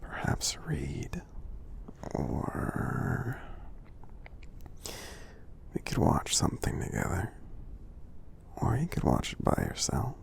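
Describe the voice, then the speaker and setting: Gentle, reassuring giant for ASMR roleplay, played by a man; low, heavily gravelly, breathy half-whisper. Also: huge pitch swings, full character voice. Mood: relaxed, soothing. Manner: slow, soothing, halting, reassuring. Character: friendly gentle male giant, tender and encouraging. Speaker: ASMR performer.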